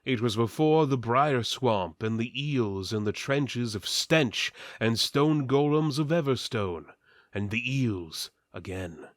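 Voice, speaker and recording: A man narrating a mock-epic fantasy tale as a dramatic reading, theatrical and solemn with deliberate emphasis. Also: medium pitch, no echo, clean studio sound. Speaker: story narrator.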